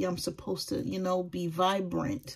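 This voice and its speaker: Against a quiet background, a woman speaks at a fairly low pitch in a somewhat breathy voice. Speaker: tarot card reader. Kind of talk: tarot reading, direct address to viewers. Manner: conversational, hesitant with fillers. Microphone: phone near.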